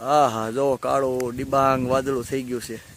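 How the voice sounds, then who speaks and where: The man's intonation is monotone and flat. The sound is dry and close, with no echo. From Saurashtra, Gujarat (Amreli district). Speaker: farmer and village vlogger. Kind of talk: casual vlog narration. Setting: outdoors on a farm in rain.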